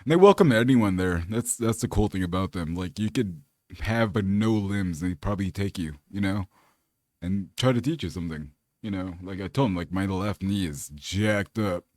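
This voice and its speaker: Laid-back male fitness vlogger from California, low voice, dry close recording, rambles casually. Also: moderate pace, a little mellow, no room sound. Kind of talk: casual chat to camera.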